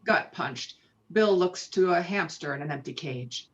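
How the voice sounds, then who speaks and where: Lowish-voiced woman narrating a script, slightly dull sound. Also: animated, unhurried. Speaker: narrator reading stage directions. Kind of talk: scripted narration at table read.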